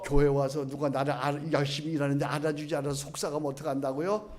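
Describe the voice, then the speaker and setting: A middle-aged man preaching as a pastor, leading his congregation in call-and-response prayer, dropping to a hush and rising to loud chanting. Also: fairly high pitch, fairly even intonation, quick pace, crowd noise. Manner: swings between hushed lines and loud chanted prayer. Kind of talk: sermon.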